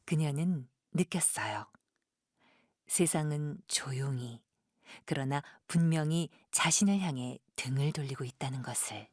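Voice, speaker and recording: A woman narrates a scripted audio drama. Her voice is very low for a woman and breathy, husky, recorded dry and close. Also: unhurried, darkish tone, no echo.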